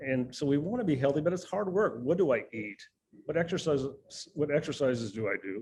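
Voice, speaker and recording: A man at a fairly high pitch, somewhat breathy, with lively intonation and a fairly quick pace. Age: 60s. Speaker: medical fitness clinic founder and trainer. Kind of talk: interview.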